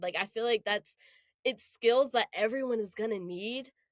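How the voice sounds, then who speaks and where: A woman with an American accent speaks at a fairly high pitch with ordinary pitch variation, recorded dry and close with no echo. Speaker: podcast co-host. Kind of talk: casual chat. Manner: loud.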